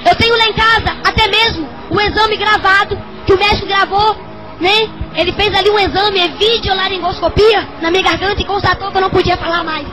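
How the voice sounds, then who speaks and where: High-pitched hoarse Brazilian woman preacher. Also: fairly even intonation, a little fast, crowd noise, poor audio. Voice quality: hoarse, husky. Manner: emphatic, repetitive, impassioned. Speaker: church preacher giving testimony. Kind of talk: fervent Pentecostal testimony sermon.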